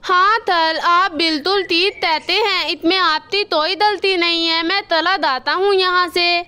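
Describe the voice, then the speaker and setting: Woman voicing a gentle lisping crow dad for a cartoon, high and bright tone. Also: steady tone, unhurried, heavily acted. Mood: lisping, pleading. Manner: lisping baby-talk speech. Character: lisping male crow father, kind and self-sacrificing.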